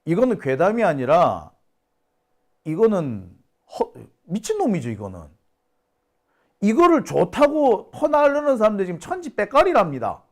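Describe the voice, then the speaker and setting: A man's voice: high voice, wildly swooping pitch, normal speed. A man hosting a solo news commentary, indignant and scoffing, sighing and exclaiming as he reads out rumors. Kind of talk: solo talk-show commentary.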